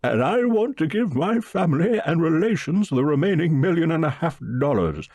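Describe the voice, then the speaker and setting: A man voicing a pompous, pious old millionaire with a solemn, slow drawl in an audiobook story. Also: on the high side, big pitch swings, darkish tone, no echo, pitched above the performer's own voice. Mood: solemn, determined. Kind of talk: audiobook character voice.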